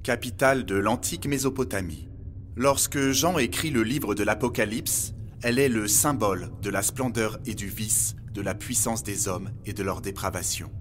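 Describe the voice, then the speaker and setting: An actor playing a learned, grave guide to Earth's past in an audio drama, speaking formally in a solemn, measured, probing way. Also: male voice, on the low side, fairly bright tone, faint music behind, close to an everyday voice. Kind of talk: audio fiction dialogue.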